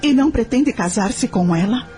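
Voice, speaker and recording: A woman playing a caring, principled middle-aged mother and wife in a radio drama, earnest and gently moralizing, with a Brazilian accent. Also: on the high side, animated, moderate pace, faint music behind, close to an everyday voice. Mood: tender, earnest.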